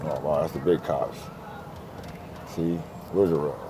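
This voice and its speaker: A man speaks at a moderate pace with a very deep, low pitch. His intonation is monotone and flat, and there is noticeable background noise. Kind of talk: casual vlog chat. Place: car. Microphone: phone near.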